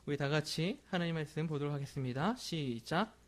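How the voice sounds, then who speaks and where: A man's voice: fairly high pitch, brisk, crowd noise. A male pastor preaching a Sunday sermon, earnest and often asking the congregation questions.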